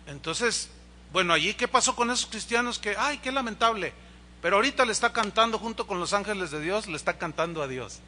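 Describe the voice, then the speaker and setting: A man preaching a sermon as pastor, animated and acting out dialogue with rising and falling pitch. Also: fairly quick, slight background noise.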